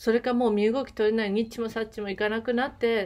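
Her pitch sits fairly high. This woman keeps a fairly even intonation. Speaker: spiritual healer and YouTuber; YouTuber. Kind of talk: casual vlog chat. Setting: outdoors on a small island. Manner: relaxed, loose. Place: open country.

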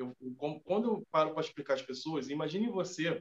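The man's pitch is fairly high, with ordinary variation. He talks at a moderate pace against a quiet background. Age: 40s. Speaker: logistics educator and entrepreneur; interview guest. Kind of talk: casual interview. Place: home room. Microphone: video call.

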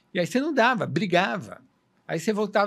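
A man's voice with very wide pitch swings and vocal fry. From Brazil. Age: 60s. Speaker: economist; guest. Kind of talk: interview. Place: studio. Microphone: studio mic.

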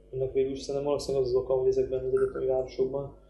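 A man speaks in a monotone, flat intonation. Audible room echo surrounds his voice. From Hungary. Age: 30s. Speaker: artist; interviewee. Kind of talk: interview. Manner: halting. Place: home room. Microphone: camera far.

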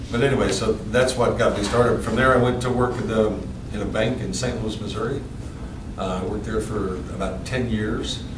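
A man speaks fairly quickly while noticeable background noise carries on behind him. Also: ordinary pitch variation. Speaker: guest lecturer. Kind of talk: lecture. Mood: relaxed, storytelling. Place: classroom. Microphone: camera far.

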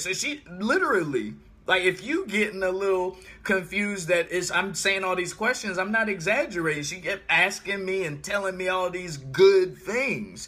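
The voice is raised and projected, with a bright, sharp tone. It moves at a moderate pace with ordinary pitch variation. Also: man. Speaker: vlogger. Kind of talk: casual vlog chat. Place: home room. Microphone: phone near.

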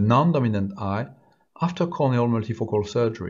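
A man speaks at medium pitch. He has a French accent. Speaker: ophthalmic surgeon. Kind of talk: medical conference presentation.

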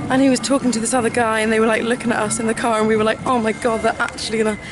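A woman speaks over clear music in the background. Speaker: travel vlogger. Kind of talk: casual vlog chat. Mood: amused storytelling. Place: street. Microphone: phone near.

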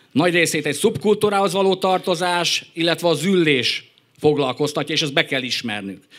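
Fairly quick speech against a quiet background. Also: man, high pitch for a man, lively intonation. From Hungary. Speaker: nationalist group leader; panel discussant. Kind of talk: panel discussion. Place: tent. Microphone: handheld.

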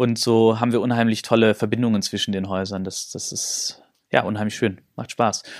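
Over a quiet background, a man speaks at a moderate pace in a monotone, flat intonation, with a dry sound that has no echo. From Germany, Aachen area; Germany. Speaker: hotel manager; guest. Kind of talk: interview. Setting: hotel rooftop. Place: home room. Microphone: handheld.

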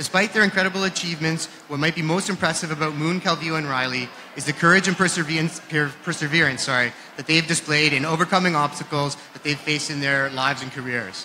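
The pace is very fast. Light background noise can be heard. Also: man, fairly high pitch for a man, ordinary pitch variation. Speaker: university recruitment officer, event announcer. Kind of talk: scripted introduction. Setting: stage with audience. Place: hall. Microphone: podium.

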